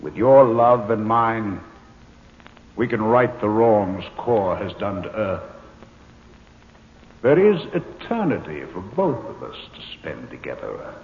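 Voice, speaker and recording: Commanding ancient alien, solemn and unhurried, stern yet tender. Reverberant, thin old-radio sound. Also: male voice, fairly low pitch, sing-song, narrow, tinny audio, exaggerated voice. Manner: grave, deliberate, declamatory. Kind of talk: 1950s radio drama acting. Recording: hissy band-limited 1950s radio with reverb.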